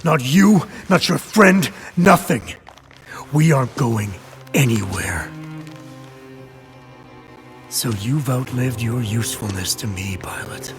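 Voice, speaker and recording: An actor playing a menacing, boastful convict gang boss in a video game, speaking theatrically between hissed threats and bellowing. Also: male voice, medium pitch, lively intonation, slow, pauses often, soft background music. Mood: menacing, grandiose. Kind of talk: video game cutscene acting.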